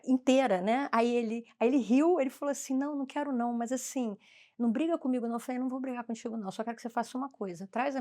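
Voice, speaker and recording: A former school principal with a high voice and a Brazilian Portuguese accent tells a story in conversation, acting out the dialogue by shifting between voices.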